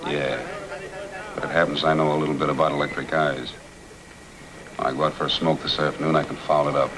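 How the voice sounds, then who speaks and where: A man's voice: rumbling low, level tone, a little fast. A male actor playing a cool, guarded, clever convict with terse delivery in a 1950s screen drama. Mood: firm. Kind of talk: 1950s black-and-white screen drama acting. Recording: noisy old film soundtrack.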